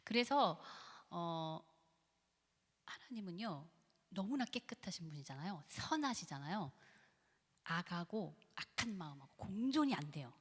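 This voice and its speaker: A woman's voice: lowish voice, unhurried, breathy edge. Lady teacher giving a church talk, voice bouncing all over, long echo from the hall. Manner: lively and animated, acts out God and Satan in quoted voices, laughs often. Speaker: professor lecturing on biblical psychology. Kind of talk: church lecture. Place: church sanctuary.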